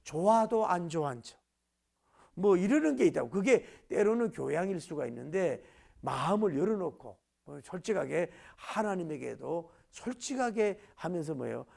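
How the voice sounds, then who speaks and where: A man's voice: high voice, big pitch swings, normal speed, vocal fry, a little mellow. A man from the region preaching a sermon as a pastor, emphatic and full of rhetorical questions. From Gyeongsang region, Korea.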